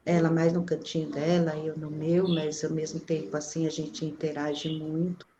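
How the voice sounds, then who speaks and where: A woman's voice: deep voice, little pitch movement, moderate pace, dark tone, dull audio. A woman, thoughtfully recounting her experiences as an interview guest. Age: 40s. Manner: reflective, many fillers like "né" and "assim". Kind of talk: casual conversational interview. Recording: faint background noise.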